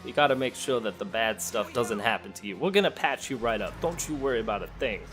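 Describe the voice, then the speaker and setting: A man's voice: medium pitch, expressive, quick pace, fairly bright tone, faint music behind. A man giving casual gameplay commentary, thinking aloud and talking to the characters as he plays. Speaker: let's play host. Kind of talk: casual gameplay commentary, sometimes reading game text aloud.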